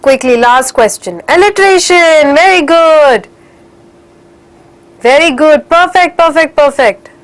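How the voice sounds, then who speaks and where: Teaching English online to children, a young woman speaks in an animated, high-pitched voice at a somewhat slow pace. She uses Indian English, offers encouragement, weaves in Hindi phrases, and has a slight cold-induced stuffiness.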